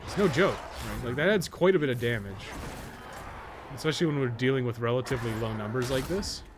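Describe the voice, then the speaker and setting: Over clearly noisy background ambience, a man talks through a game in a medium-pitched voice. His commentary is casual and unscripted, wandering as he thinks aloud. He pokes fun at himself and swears mildly. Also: brisk. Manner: rambling, self-deprecating, thinking aloud. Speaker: podcast co-host and game streamer.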